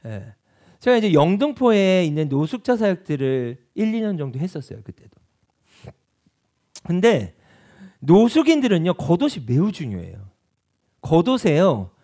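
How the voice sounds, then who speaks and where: Animated high-pitched Korean pastor preaching. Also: male voice, normal speed, pauses often. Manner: animated preaching with rhetorical questions to the congregation. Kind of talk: sermon. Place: church.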